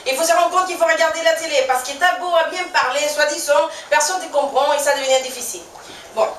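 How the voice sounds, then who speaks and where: A high-pitched young woman with a Venezuelan Spanish accent performs stand-up in a chatty, self-mocking way, laughing along with her own jokes. Her voice is caught from far off in an echoey room. Steady noise sits under the whole recording. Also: quick pace. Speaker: stand-up comedian. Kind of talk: one-woman stand-up show. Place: stage in a small venue with a live audience.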